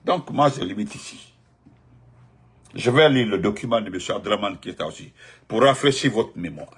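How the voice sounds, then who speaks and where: A man with a Guinean French accent giving spontaneous political commentary, emphatic and repetitive, jumping from loud outbursts to muttered asides. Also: fairly low pitch, lively intonation, moderate pace, slightly rough.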